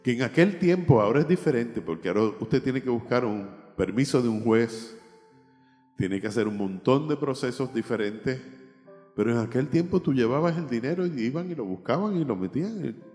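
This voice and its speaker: A man's voice: medium pitch, lively intonation, normal speed, a little mellow, faint music behind. A male pastor telling a personal testimony in a sermon, with emotional storytelling that rises and falls. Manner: emotional storytelling, voice rising and dropping. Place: church. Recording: reverberant church hall with instrument behind.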